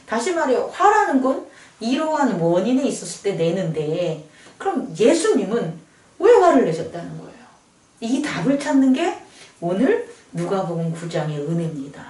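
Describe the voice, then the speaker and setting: A woman's voice: fairly high pitch, reverberant, recorded from a distance. A woman pastor preaching a sermon in a conversational way, often asking the congregation questions. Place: church sanctuary.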